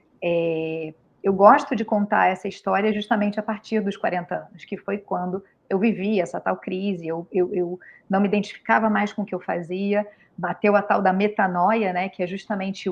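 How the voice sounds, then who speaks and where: A woman's medium-pitched voice in a Rio de Janeiro accent, at a moderate pace with fairly even intonation. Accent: Rio de Janeiro (carioca). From Brazil, Rio de Janeiro. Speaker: psychotherapist and tarot reader. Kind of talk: interview, telling life story. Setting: video call.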